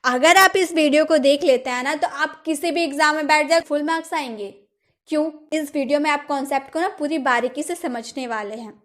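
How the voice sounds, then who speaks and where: Woman, high voice, exam-prep grammar lesson, asks questions and answers them, repeats key words. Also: a little fast, a bit bright. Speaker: English grammar teacher.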